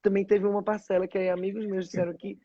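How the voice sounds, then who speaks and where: An animated woman from Pernambuco talks as an actress in a casual interview. Her storytelling is expressive and lively. The sound is dull and dry, with no room to it. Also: mid-range voice, fast, no echo. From Pernambuco, Brazil. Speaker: actress guest.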